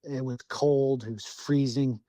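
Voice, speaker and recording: A man's voice: mid-range voice, steady tone, unhurried, dark tone, dry recording. Salty storytelling man from Alaska. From Southwest Alaska. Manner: salty, swears freely, acts out his own thoughts. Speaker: podcast guest. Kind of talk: casual storytelling.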